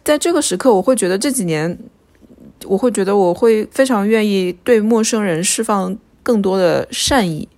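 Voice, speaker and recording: A woman's voice: medium pitch, animated, normal speed, a little mellow. A woman in her thirties, co-hosting a casual podcast chat, reflective and thinking aloud with small restarts. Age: 30s. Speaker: podcast co-host.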